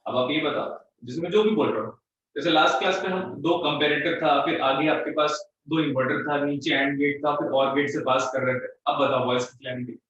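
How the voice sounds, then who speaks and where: A man teaching in a fairly high voice, with his words bouncing back in a heavy canyon-like echo. He sounds distant from a studio mic, with faint noise underneath. He talks in a straight, firm and blunt way. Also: steady tone, brisk, highs cut off. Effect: heavy echo, as if shouting in a canyon. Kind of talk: live online electronics class.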